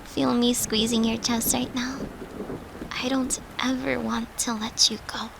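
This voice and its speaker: A devoted girlfriend, played by a woman, in an intimate comfort roleplay, with a fairly high voice and an unhurried pace. She is tender and coaxing, playful yet protective, and sometimes sinks into a murmur. A clear rain-like hiss sits behind her. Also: level tone. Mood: gentle reassurance. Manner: tender, soothing, coaxing, slipping into breathy murmurs.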